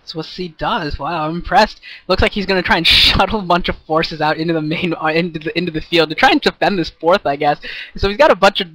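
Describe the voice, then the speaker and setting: High, bright sarcastic young male caster. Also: no echo, low-quality recording. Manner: sarcastic, excitable, quick jokes. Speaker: esports co-commentator. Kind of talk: casual game commentary.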